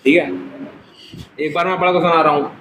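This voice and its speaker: A man's voice: a little high, fairly even intonation, a little fast, fairly bright tone, slight background noise, poor audio. A young man teaching Russian to a class, patient and joking, often calling his students "beta" as he drills the letters.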